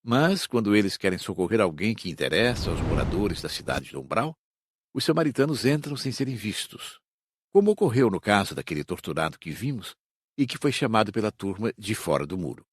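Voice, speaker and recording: A Brazilian man playing a patient spirit teacher in an audiobook, explaining in a measured, didactic way. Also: on the low side, sing-song, slight background noise. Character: patient male spirit teacher instructing his students. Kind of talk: audiobook dramatized reading.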